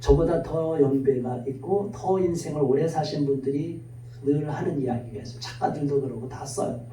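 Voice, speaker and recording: A man's fairly high voice at a moderate pace, with big swings in loudness, audible room echo and noticeable background noise. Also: ordinary pitch variation. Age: 60s. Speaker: pastor. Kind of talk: sermon.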